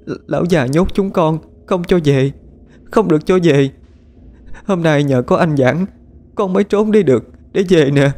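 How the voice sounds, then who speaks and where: A man's voice: on the high side, unhurried, a little mellow, roomy sound, long reverb tail, pitched above the performer's own voice, close to an everyday voice. A man voicing a frightened little girl possessed by a drowned child's spirit, sobbing and stammering as she pleads.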